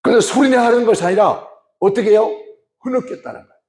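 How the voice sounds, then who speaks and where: A man's voice: high-pitched, quick pace, a little mellow. A male pastor preaching a sermon, often questioning the congregation. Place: church. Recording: echoey church hall.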